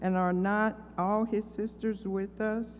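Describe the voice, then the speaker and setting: Over light background noise, a woman speaks at a fairly slow pace in a monotone, flat intonation. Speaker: scripture reader. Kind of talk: reading aloud. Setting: church. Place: church. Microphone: podium.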